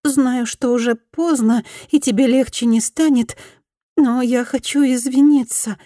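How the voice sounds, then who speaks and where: A woman's voice: high voice, moderate pace, mellow, no echo, clean studio sound, pitched above the performer's own voice, close to an everyday voice. A woman voicing a remorseful former schoolgirl bully, now a housewife, who pleads in a thin, small, faltering voice and stammers slightly. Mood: pleading.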